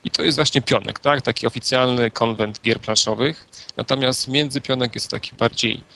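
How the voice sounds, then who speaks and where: A man co-hosting a casual podcast, his voice gravelly with a steady fry underneath. He talks in a relaxed, rambling way, explaining things at length with plenty of fillers. His pitch sits in an ordinary middle range. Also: moderate pace, slight background noise. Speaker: podcast co-host. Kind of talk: casual chat.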